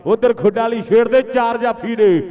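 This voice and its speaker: A man giving frantic rural sports commentary on kabaddi, repeating names and phrases in an excited chant. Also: very high voice, normal speed, distant mic, lo-fi sound.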